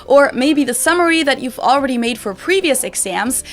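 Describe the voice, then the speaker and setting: Lively young woman vlogging. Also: high-pitched, normal speed, faint music behind. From Germany. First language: German. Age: young adult. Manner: chatty and expressive, acts out both sides of conversations. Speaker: YouTuber. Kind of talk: scripted vlog narration.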